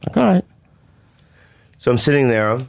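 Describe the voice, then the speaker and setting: A man hosting a podcast, telling a story in casual chat, animated and profane, laughing often. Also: mid-range voice, moderate pace, vocal fry, slight background noise.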